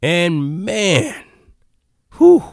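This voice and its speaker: The man is heard in a very clean recording with a silent background. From Texas. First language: Spanish. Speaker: podcast host and university academic. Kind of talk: personal life story monologue. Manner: casual, laughing often.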